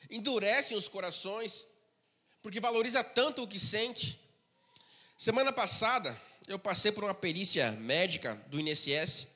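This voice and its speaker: Male pastor, sermon, high and bright tone, conversational storyteller, reverberant hall. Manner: conversational storytelling, drops to a low murmur for asides.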